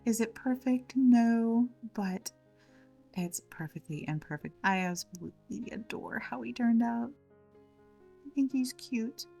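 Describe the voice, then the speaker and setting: A woman with a slightly scratchy voice from a cold, gently narrating a step-by-step craft tutorial in a chatty way. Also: on the high side, measured pace, creaky, far from the mic, faint music behind. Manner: gentle, chatty, fond of the word little. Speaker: craft channel host.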